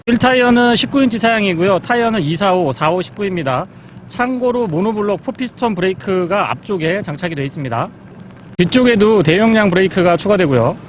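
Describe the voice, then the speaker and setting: A man with a notably high voice presents a car review in an explanatory, polite way. He sounds like a test-drive reviewer talking through features, with some vehicle and street noise behind him. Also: animated, fairly quick.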